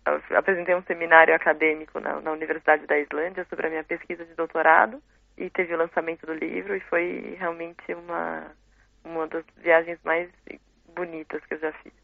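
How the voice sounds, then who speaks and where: Brazilian woman, 30s, thoughtful interview guest, gravelly, heard over the phone. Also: sits low, little pitch movement, a little fast, dry recording. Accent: Brazilian Portuguese. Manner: reflective, searching for words, frequent tag questions. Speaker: guest poet. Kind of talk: casual interview talk. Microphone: phone call. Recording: tinny dry phone line.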